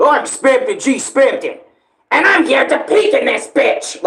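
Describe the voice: Using a put-on character voice, the speaker delivers lines at a moderate pace in an extremely high pitch with very wide pitch swings.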